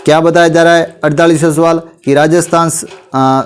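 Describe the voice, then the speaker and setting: A man's voice: fairly high pitch, steady tone, clear, resonant tone. A male teacher with a sore throat, running a quiz revision class and urging students on with repeated friendly address. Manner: repeats "bhai", urges students to answer quickly.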